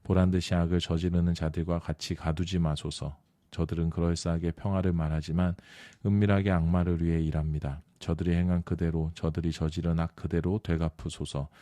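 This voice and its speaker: A man with a very low voice reads scripture aloud in a steady, measured way. His tone is dark and mellow. The recording is close and dry, with no room sound. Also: no room sound. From South Korea. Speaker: scripture reader. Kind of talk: scripted Bible reading.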